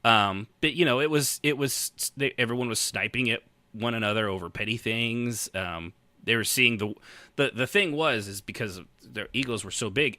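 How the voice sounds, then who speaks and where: A man with a very bright, sharp voice at an average pitch, recorded close and dry. He chats as a podcast co-host, halting and repeating words, with a sardonic edge. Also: no echo. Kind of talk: casual rambling discussion.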